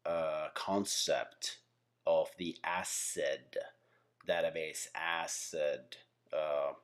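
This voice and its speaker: A man's voice: a bass voice, steady tone, extremely slow, fairly bright tone. A man giving an informal lesson as host, explaining by example in a rambling way, often repeating and correcting himself. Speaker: tech teacher and channel host. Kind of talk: casual whiteboard-style lesson, explaining by example.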